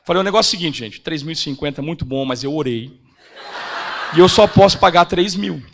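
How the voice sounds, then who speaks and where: A man's voice: a little high, a little fast, creaky, background noise. A Brazilian man giving a church finance seminar, telling a personal testimony and acting out the dialogue. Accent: Brazilian Portuguese. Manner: animated storytelling, acts out quoted dialogue.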